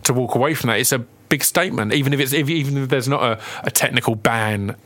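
A man's voice: medium pitch, fast, fairly bright tone, no echo. A man with an Essex accent interviewing in a casual, enthusiastic way, often repeating words as he goes. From Essex, England. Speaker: podcast interviewer. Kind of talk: casual chat.

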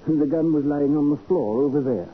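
Man playing a proper, higher-voiced houseman, old radio. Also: normal speed, phone-quality sound, natural voice. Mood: earnest, respectful. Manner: formal, polite, servile. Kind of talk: 1940s radio acting. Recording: thin, hissy 1940s radio recording.

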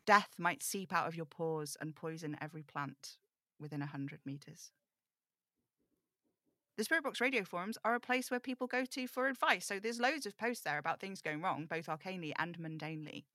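Woman acting as reflective female broadcaster, lowish bright voice, dry close sound, confiding and wistful, audio drama monologue. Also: no room sound, close to an everyday voice. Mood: grave, explanatory. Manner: measured, confiding, wistful storytelling.

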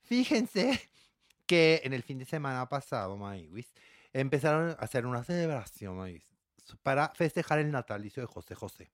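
A man's voice: medium pitch, sing-song, moderate pace, dry recording, clean studio sound. A man, co-hosting a podcast and telling celebrity gossip with dramatic flair. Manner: dramatic, acts out quotes. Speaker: podcast co-host. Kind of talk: gossip storytelling.

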